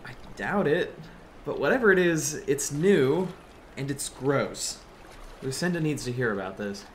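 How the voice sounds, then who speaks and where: A man's voice: medium pitch, expressive, measured pace, close to an everyday voice. A man playing a goofy, carefree young handyman in an audio drama, with a casual, breezy delivery. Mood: puzzled, grossed out. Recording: outdoor water ambience, faint noise.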